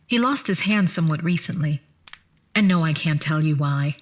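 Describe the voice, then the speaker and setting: An actress playing a composed, polite immortal attendant in an audio drama, speaking precisely and courteously with a guarded patience. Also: female voice, sits low, expressive, moderate pace. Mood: patient, courteous.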